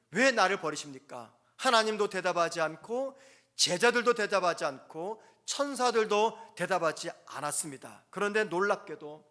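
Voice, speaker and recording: A male pastor preaching a sermon at a dawn prayer service in a church, earnest and emphatic, with pauses between short phrases. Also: sits high, pushed and bright.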